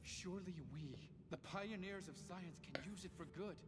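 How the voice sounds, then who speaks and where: An actor voicing an idealistic young male scientist in an animated series, eager and pleading. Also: sits high, moderate pace, lightly acted. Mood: impassioned. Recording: reverberant clip over loud music.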